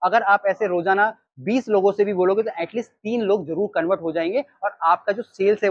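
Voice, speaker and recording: A man in his thirties with an Indian accent, teaching restaurant staff how to take orders in an animated way. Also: sits high, slightly rough, lo-fi sound. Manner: animated, gestures while reading from a sheet. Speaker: restaurant trainer. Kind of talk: training talk. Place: storefront of a small takeaway, outdoors. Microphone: lapel mic.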